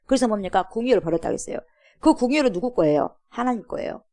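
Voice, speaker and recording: A woman's voice: medium pitch, lively intonation, quick pace, mellow. A woman pastor giving a sermon at a church, preaching emphatically and asking the congregation repeated rhetorical questions.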